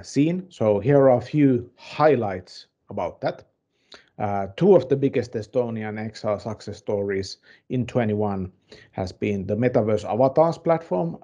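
Mellow, lowish-voiced male news presenter. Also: muffled recording. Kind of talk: semi-casual news presentation.

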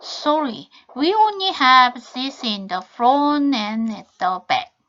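A woman teaching travel English, reading model sentences slowly and carefully, then explaining them in Korean. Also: high voice, big pitch swings, pushed and bright, highs cut off. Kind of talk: video lesson on travel English.

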